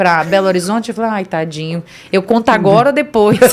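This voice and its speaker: A woman speaks over noticeable background noise. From Brazil, northern Minas Gerais near Bahia border. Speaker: lawyer and mayor's wife, podcast guest. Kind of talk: interview, life story.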